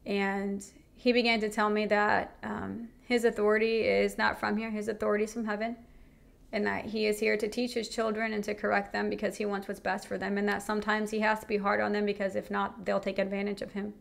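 A woman's voice: medium pitch, level tone, brisk, creaky. A young woman giving an earnest personal faith testimony, speaking frankly about her own experiences.

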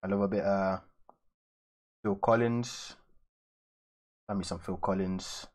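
Casting: easygoing young London guy, slightly low voice, loose streamer chatter at a desk. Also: steady tone, slow. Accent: London English. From raised in London, England. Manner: loose and chatty, answering viewers. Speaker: artist streaming live. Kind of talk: casual live-stream chat while drawing. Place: indoors at a drawing desk.

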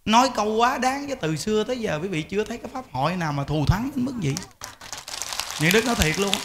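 A man's voice: high-pitched, a bit bright, slight background noise. A man, a Buddhist monk, giving an informal, emphatic dharma talk to lay followers. He repeats words and often speaks to his listeners directly.

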